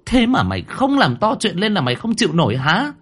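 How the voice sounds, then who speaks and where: A man's voice: mid-range voice, expressive, fairly quick, husky. Man putting on a shrieking angry mother. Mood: furious. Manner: screeching, threatening, scolding. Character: furious shrill middle-aged mother, bossy landlady.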